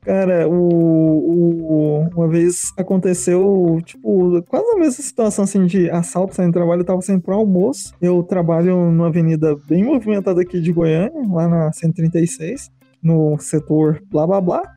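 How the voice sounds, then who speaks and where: A man's voice: high voice, moderate pace, warm tone, faint music behind. A man chatting on a podcast, rambling with lots of fillers. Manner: rambling, fillers like "tipo" and "saca". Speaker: podcast co-host. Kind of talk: casual chat.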